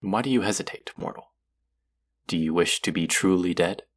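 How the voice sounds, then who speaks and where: An actor playing a stern, haughty god of the underworld in an audio roleplay, speaking formally with an exasperated, grudging manner. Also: male voice, deep voice, normal speed. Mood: stern, dismissive. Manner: imperious, exasperated, formal speech with sighs. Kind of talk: scripted character audio roleplay.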